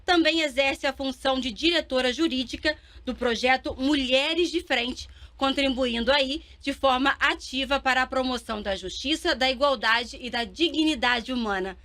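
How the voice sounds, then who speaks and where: A woman's voice: sits high, moderate pace, hardly any pauses, pushed and bright. A Brazilian woman hosting a talk programme, introducing and questioning her guests. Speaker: talk show host.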